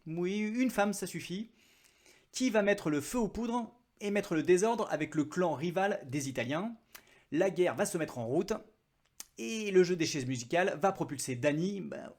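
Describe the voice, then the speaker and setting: A man's voice: sits high, animated, a little slow, darkish tone. A man hosting his own book review vlog, chatty and joking at his own expense. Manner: chatty, self-mocking asides. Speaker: book vlogger.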